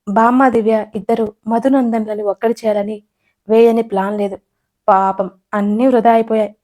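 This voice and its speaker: Woman narrating a romance audio story. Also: a little high. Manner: expressive storytelling, voicing every character. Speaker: writer and narrator.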